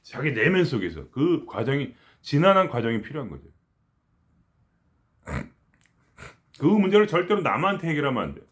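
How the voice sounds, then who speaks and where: A middle-aged man giving a casual spiritual talk, rambling and conversational, with frequent restarts and quiet murmured asides. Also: mid-range voice, wildly swooping pitch, normal speed, pauses often. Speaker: spiritual teacher.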